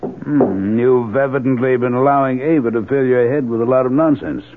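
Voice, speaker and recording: An actor playing a proud but frightened older father in a 1970s radio drama, evasive, halting and testy. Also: medium pitch, natural voice. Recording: rough, muffled old radio broadcast.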